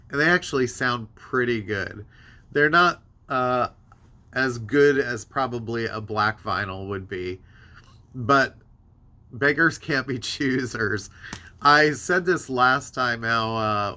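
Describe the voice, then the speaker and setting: A man's voice: mid-range voice, bright, forceful tone. A man hosting a casual, rambling music release rundown, congested and tired-voiced, speaking in conversational asides. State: tired voice giving out. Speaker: host of a music new-release show.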